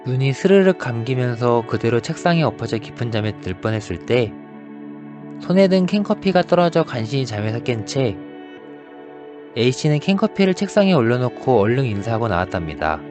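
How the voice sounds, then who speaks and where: A man narrating a scripted ghost story in a hushed, suspenseful way, with rain behind his voice. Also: mid-range voice, sing-song, moderate pace, music in the background. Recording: rain ambience noise behind voice.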